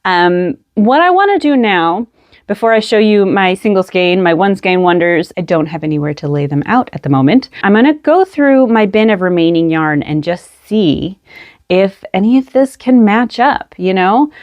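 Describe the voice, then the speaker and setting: A woman's voice: mid-range voice, lively intonation, moderate pace, no echo, highs cut off. Chatty woman musing over her yarn. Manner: chatty, musing aloud with many ums. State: a little out of breath. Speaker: craft vlogger. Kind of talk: casual show-and-tell chat. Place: indoors at a table with yarn.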